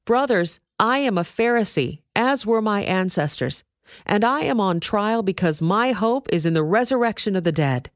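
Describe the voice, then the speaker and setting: A woman's voice: on the low side, big pitch swings, normal speed, no echo, clean studio sound. A woman reading the words of a bold, defiant male apostle in a scripture reading.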